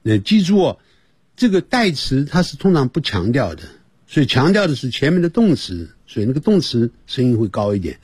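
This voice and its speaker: Middle-aged guy teaching english on the radio, kinda husky, voice bounces around a lot, repeats stuff patiently. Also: medium pitch, sing-song, a little fast, a little mellow, dry recording, studio quality. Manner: patient, repeats words for drilling.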